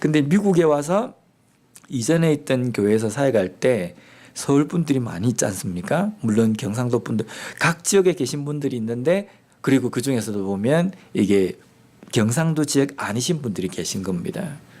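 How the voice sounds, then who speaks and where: A man's medium-pitched, dark and mellow voice in a strong Busan accent, at a moderate pace with very wide pitch swings. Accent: strong Busan dialect (Gyeongsang). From South Korea, Busan. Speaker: pastor. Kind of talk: sermon.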